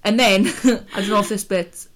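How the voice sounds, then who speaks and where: A woman's voice: medium pitch, steady tone, normal speed. Hungover woman podcaster. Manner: chatty, jokey, sweary. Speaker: podcast co-host. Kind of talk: casual chat.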